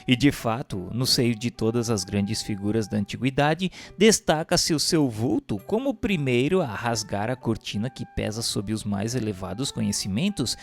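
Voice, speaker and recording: A man's voice: mid-range voice, vocal fry. A man with a Brazilian accent narrating a religious text in a solemn, formal, declamatory manner.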